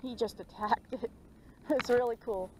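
Excited young woman fishing outdoors. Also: fairly high pitch, a little slow, slight background noise, rough recording. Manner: excited, chatty, laughs often. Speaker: fishing vlogger. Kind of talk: casual commentary while fishing. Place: outdoors at a pond bank. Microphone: head-mounted action camera.

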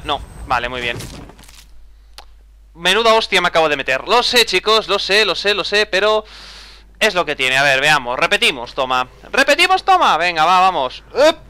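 A young man narrates his gameplay in a bright, crisp, clear voice that swings up and down animatedly. He mutters to himself, curses when things go wrong, and keeps up a casual, exasperated running commentary. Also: a little high. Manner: exasperated, swears often, talks to himself. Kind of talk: casual let's-play commentary.

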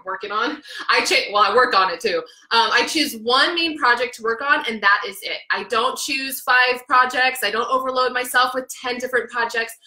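A woman in her thirties hosting a live podcast from a small home office, talking in a hyper, excitable, naturally loud way. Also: fairly high pitch, echoey room, low-quality recording. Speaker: podcast host. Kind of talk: energetic live video podcast. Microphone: studio mic with headphones.

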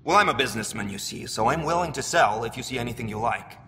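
A man's voice: medium pitch, animated, fast talker, pushed and bright. A man voicing a shifty alien scavenger trader in a video game, wheedling and slick with hesitant turns. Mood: defensive, salesy. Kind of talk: video game dialogue acting. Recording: hollow reverberant hall with background noise.

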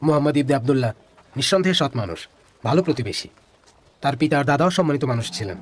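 A man's voice: medium pitch, expressive, fast, a little hiss or hum, close to an everyday voice. A man voicing a questioning tribal elder in a dubbed drama, with a demanding manner. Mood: probing.

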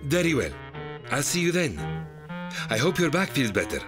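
An actor playing a wary, formal, solitary man in an audio drama, speaking in a measured, brooding way. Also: a little high, big pitch swings. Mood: polite, guarded. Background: music.

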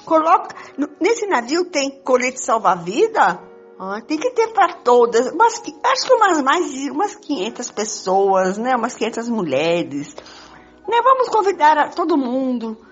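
Woman as jealous soap lover, high husky voice, emphatic, repetitive, dull recording. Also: wildly swooping pitch, unhurried, exaggerated voice. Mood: flustered, eager. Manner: emphatic, repeats herself. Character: bold, fussy, jealous woman among a playboy's lovers. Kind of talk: amateur improvised radio soap opera. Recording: dull lo-fi recording, music behind.

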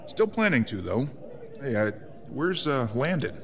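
An actor playing a friendly, wry veteran rebel colonel in a sci-fi audio drama, with a casual manner. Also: male voice, medium pitch, sing-song, a little slow, a bit bright. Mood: wry, cheerful. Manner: casual, joking, hesitant asides.

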